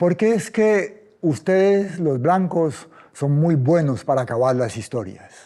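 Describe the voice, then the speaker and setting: A man with a fairly high voice speaks very slowly. His tone is dark and mellow, his intonation lively. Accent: Colombian. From Colombia. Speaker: storyteller. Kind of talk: interview answer.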